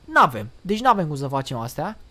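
A young man streaming a game live, chatting excitably and in slang with his viewers. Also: fairly high pitch. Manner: excitable, slangy, talks to chat. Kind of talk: casual live gaming chat.

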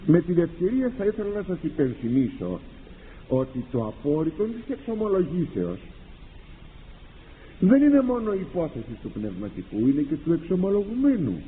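Lively man preaching in an echoing hall. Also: fairly high pitch, a little hiss or hum. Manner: animated, rhetorical questions and acted-out dialogues. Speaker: priest and confessor. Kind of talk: sermon. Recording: tinny lo-fi archive recording in a reverberant hall.

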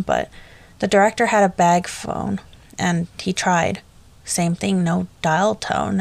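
A woman with a low, gravelly voice reads a horror story aloud in a steady, measured way. The sound is dry and close, with no room around it. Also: no room sound. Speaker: story narrator. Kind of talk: scripted horror narration.

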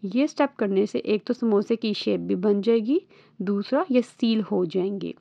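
A woman's voice: medium pitch, measured pace, vocal fry, no echo, dull audio. A woman with a Lahori accent giving a patient, step-by-step voice-over for a home cooking lesson. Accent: Lahori Urdu-Punjabi. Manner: patient step-by-step instructing, often checking in with listeners. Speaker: cooking channel host. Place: voice-over recorded apart from the kitchen footage.

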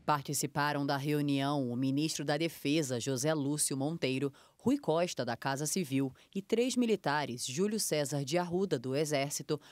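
News reporter doing voice-over, even formal read, super dry. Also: mid-range voice, moderate pace, hardly any pauses, no room sound.

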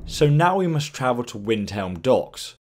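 A man hosting a game walkthrough, explaining steps in an upbeat, instructive way, his voice croaky from a long stream. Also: mid-range voice, big pitch swings, a little slow, darkish tone, a little hiss or hum. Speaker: gaming guide host.

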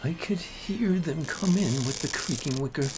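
A woman giving a dramatic first-person horror narration in a theatrical, anguished, deliberate manner. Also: deep voice, noisy background. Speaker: amateur story narrator. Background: music.

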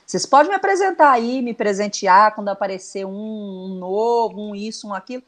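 A woman's voice: medium pitch, lively intonation, fairly quick, a bit bright. A woman in her thirties with a Minas Gerais accent, a guest chatting enthusiastically over a video call from a small room. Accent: Minas Gerais Portuguese. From Brazil. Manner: chatty, enthusiastic, lots of fillers. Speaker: guest musician. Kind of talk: casual TV chat. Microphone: laptop video call.

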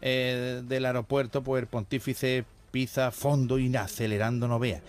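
A man's voice: mid-range voice, flat delivery, a little slow. A man telling a long joke, rambling with many fillers and restarts. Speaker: joke teller.

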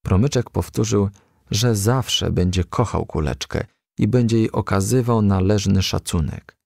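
A man reading a children's story aloud as a scripted narration, in an expressive, measured storytelling manner. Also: on the low side, creaky, no room sound, studio quality. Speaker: audiobook reader.

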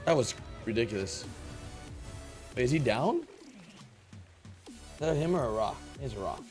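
A man's voice: medium pitch, unhurried. A young man streaming a multiplayer survival game, joking and calling out to his teammates. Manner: joking, excitable, chanting repeated phrases. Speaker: gameplay streamer. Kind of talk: casual multiplayer game chat. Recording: faint background music.

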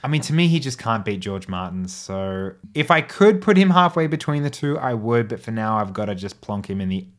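A man giving casual tier-list commentary as a video creator, conversational and opinionated, with quick self-correcting asides. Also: fairly low pitch, sing-song. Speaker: YouTube creator.

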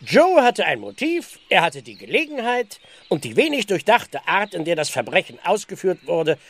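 An actor playing a flustered, officious village constable in a radio play, blustering and easily exasperated. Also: male voice, high-pitched, wildly swooping pitch, moderate pace, a bit bright, full character voice. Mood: confident. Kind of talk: German radio play acting.

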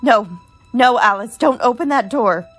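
A young woman playing a tense, scolding college girl trying to stay sensible, in a halting, emphatic suspense radio play style. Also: on the high side, fairly bright tone. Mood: tense, hushed. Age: young adult. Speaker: radio drama actor. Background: music.

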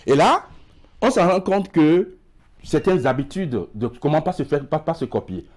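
A middle-aged man with a West African French accent, appearing as an emigration expert in a TV studio interview, talks at normal speed in a fairly high, sing-song, darkish voice. He's on a lapel mic, gestures widely, and stumbles over repeated words.

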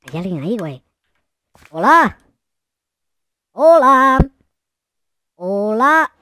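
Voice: medium pitch, sing-song, drawn-out words, bright, forceful tone, no echo. A gaming host giving theatrical, exclamatory commentary with roleplay and plenty of slang.

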